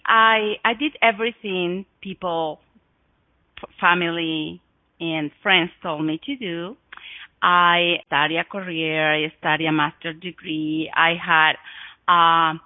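Mexican lady host, slow and swoopy, gushing, sounds like a dry phone line. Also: medium pitch, no echo. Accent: Mexican Spanish. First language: Spanish. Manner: effusive, breathy gasps, swooping emphasis. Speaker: podcast host. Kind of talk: personal storytelling to listeners.

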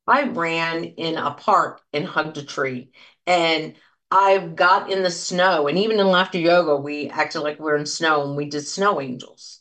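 A woman's voice: sits low, a little slow, a bit bright. A woman in her fifties hosting a solo podcast, talking casually and encouragingly, rambling through anecdotes and asides to her listeners. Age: 50s. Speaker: podcast host and coach.

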